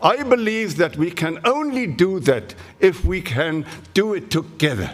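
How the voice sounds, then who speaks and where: A man with a high pitch speaks at a fairly slow pace with very wide pitch swings. Noticeable background noise is present. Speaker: opposition politician. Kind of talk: parliamentary speech. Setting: legislature chamber. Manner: halting.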